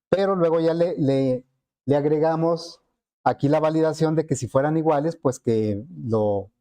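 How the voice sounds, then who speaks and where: A man's voice: on the high side, dark tone. A man teaching a programming class, explaining step by step and asking the students rhetorical questions. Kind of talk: classroom lecture.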